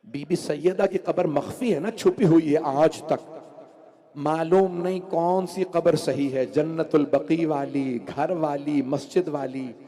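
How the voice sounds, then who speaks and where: A man's voice: a little high, slow pace, warm tone. A male cleric reciting a mourning sermon, lamenting and rising into wailing cries. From India. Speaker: Shia cleric reciting a majlis. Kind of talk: emotional sermon narration.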